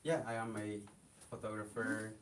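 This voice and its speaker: A young man from Mexico, a guest in an interview, speaks haltingly with many fillers and restarts. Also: lowish voice, flat delivery. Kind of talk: casual interview. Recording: hiss, distant from the mic.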